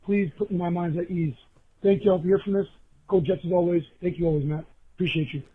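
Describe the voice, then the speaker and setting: A man's voice: high voice, steady tone, fast talker, breathy edge. A man leaving a voicemail over a phone line, talking earnestly and wordily as a casual fan.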